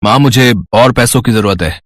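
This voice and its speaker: A man's voice: medium pitch, moderate pace, fairly bright tone, no room sound, studio quality, natural voice. Man acting a spoiled, arrogant rich young man. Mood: insistent. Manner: mocking, whiny, entitled, mixing English words into Hindi. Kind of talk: dramatised Hindi story acting.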